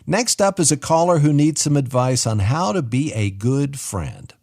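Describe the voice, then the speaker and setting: A man's voice: medium pitch, sing-song, moderate pace, darkish tone, no echo, studio quality. A man co-hosting a radio advice show, leading into calls in a friendly presenter way. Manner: smooth, friendly presenter, reads phone numbers. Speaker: radio co-host.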